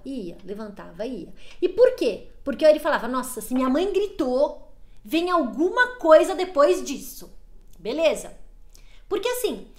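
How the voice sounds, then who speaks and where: A woman coaching parents in casual advice talk, earnest, often acting out short parent and child lines. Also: sits high. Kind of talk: talking to camera, advice talk.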